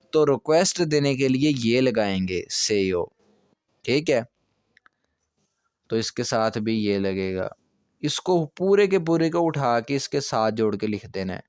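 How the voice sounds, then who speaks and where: A man's voice: medium pitch, clear, resonant tone, no room sound, clean studio sound. A man teaching a grammar lesson, explaining step by step and checking in with "okay" often. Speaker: language teacher.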